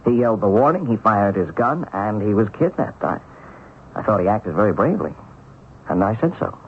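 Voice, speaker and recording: An earnest, hesitant schoolteacher husband in a seventies radio play. His voice sits low and halts as he searches for words. The broadcast recording is dull, with faint hiss. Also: sing-song. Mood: hesitant, recounting. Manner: hesitant, halting. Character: earnest ex-bank teller turned schoolteacher husband, hesitant, puzzled. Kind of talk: 1970s radio drama acting.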